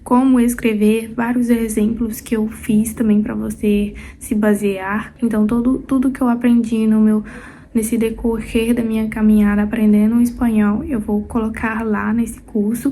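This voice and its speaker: Mellow, level-toned Brazilian woman tutor. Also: on the high side, slight background noise, low-quality recording. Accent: Brazilian Portuguese. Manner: chatty, loose, with frequent hesitation fillers and restarts. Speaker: Spanish exam tutor and course creator. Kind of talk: casual explanatory talk to camera.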